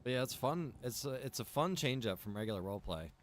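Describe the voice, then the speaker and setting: A man's voice: medium pitch, lively intonation, quick pace, a little hiss or hum. A man talking casually and easily to viewers as he hosts a live gameplay stream, chatty and direct. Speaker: game streamer and server admin.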